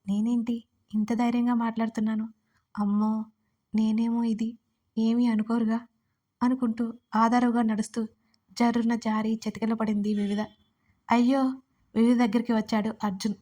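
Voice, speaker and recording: A woman's voice: a little high, little pitch movement, moderate pace, long pauses, mellow. A woman narrating a romantic story and reading both lovers' lines herself. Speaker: writer and narrator.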